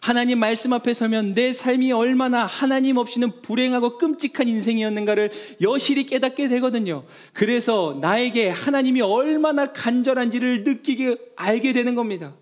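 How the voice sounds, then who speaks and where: High-voiced male pastor preaching. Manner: earnest, personal storytelling with emphatic exclamations. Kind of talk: sermon.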